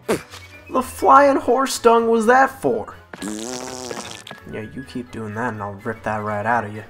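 A woman voicing a gruff, blunt, combative and foul-mouthed farm pony in a cartoon parody. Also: a bass voice, animated, takes it slowly, loud music behind the voice, exaggerated voice. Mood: angry.

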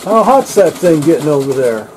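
An older man in his sixties hosts a relaxed cooking demo in a motor home kitchen, cracking jokes between steps. His voice is dark and mellow, caught by a camera mic across the small room with a faint hiss behind it. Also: fairly high pitch, normal speed, low-quality recording. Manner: joking, chatty, reads out a manual. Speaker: channel host. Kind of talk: casual cooking demo chat.

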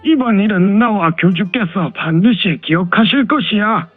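A man's voice: high-pitched, lively intonation, normal speed, dry recording. A man playing a dignified, white-haired senior elder of a demonic cult in a Korean martial-arts audio drama, speaking with old-fashioned authority. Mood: authoritative. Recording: phone-like thin sound, music behind.

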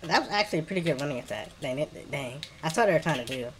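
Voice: mid-range voice, lively intonation, racing. A streamer with an African American English accent, giving casual, slangy live game commentary and muttering reactions to the play. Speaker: gaming streamer. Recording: clear background noise with keyboard clicking.

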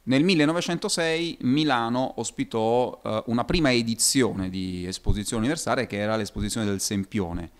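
Un uomo intervistatore pone domande con cortesia e qualche esitazione, riempiendo le pause con brevi intercalari. La voce ha un'altezza media. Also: male voice, medium pitch. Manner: polite, slightly hesitant, with fillers. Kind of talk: asking interview questions.

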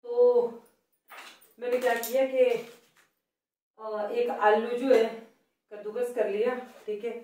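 A middle-aged woman with a Himachali Hindi accent, chatting loudly and complaining a little as she cooks in her home kitchen for her vlog. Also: fairly high pitch, level tone, slow, pauses often. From Himachal Pradesh, India. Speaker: cooking vlogger. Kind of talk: casual cooking vlog chat. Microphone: phone placed away from her. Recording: roomy phone audio from a distance.

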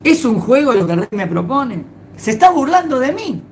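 A woman voicing a poor male beggar who talks to himself in high, excited bursts. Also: moderate pace, slight background noise. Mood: dismayed. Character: poor male beggar, hopeful then self-reproaching.

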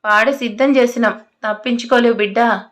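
A woman's voice: on the high side, fairly even intonation, fairly quick, fairly bright tone, close to an everyday voice. A woman voicing a swaggering male thug who threatens a police officer. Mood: menacing.

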